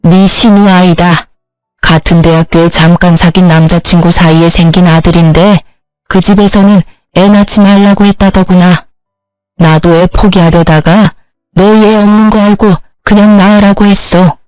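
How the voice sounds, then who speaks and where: A woman's voice: lowish voice, fairly even intonation, moderate pace, a little mellow, smooth, no echo, soft background music, close to an everyday voice, rough recording. A woman voicing a pushy, domineering older mother-in-law who gives scolding commands, in a storybook reading. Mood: commanding.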